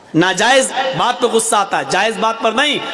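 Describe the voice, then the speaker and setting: A man's voice comes with noticeable noise in the background. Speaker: Islamic preacher. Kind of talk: sermon. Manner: slow, deliberate for the audience.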